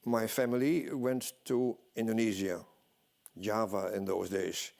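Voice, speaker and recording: An older man recalling his family's move, speaking haltingly. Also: lowish voice, gravelly, darkish tone. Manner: halting with fillers. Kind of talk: interview recollection.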